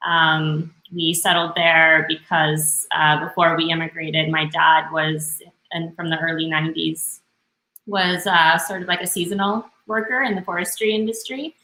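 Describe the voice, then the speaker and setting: A woman, talking casually and haltingly as an interview guest. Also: low voice, level tone, bright, forceful tone, echoey room, poor audio. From northern British Columbia, Canada, born in Romania. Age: 30s. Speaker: podcast guest.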